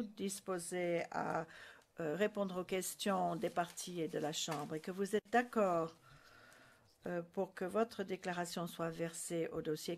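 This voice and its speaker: A woman giving a formal courtroom interpretation of procedural rulings, in a measured way with frequent hesitations. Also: lowish voice.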